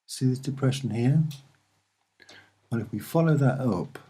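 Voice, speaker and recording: A soft-spoken man giving a halting, unscripted commentary as he points things out, with frequent pauses. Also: mid-range voice, slightly rough. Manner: hesitant, halting, with many pauses. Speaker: amateur video presenter.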